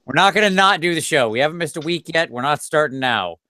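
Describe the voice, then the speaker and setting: A man hosting a casual tabletop gaming podcast, tired after a long day and talking in an animated, self-deprecating ramble. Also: on the high side, fast talker. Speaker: podcast host. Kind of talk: casual chat.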